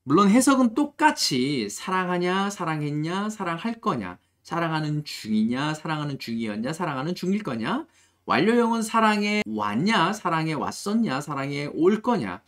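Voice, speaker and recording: A man teaching grammar with a lively, swooping delivery and a slightly high voice. He drills example sentences slowly and keeps asking the learner rhetorical questions. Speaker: English teacher. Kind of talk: spoken grammar lesson.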